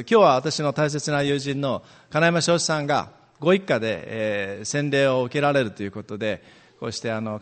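A middle-aged man from Amami Oshima, a guest preacher telling personal stories in a chatty, animated way with many fillers, recorded in a church. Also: on the high side. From Amami Oshima, Japan. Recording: long reverb of a church hall.

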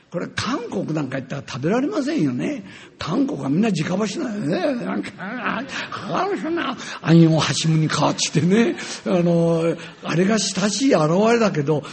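Older man preaching with lively, gravelly voice. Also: a little high. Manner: animated, acts out scenes with sound words. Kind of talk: storytelling sermon testimony.

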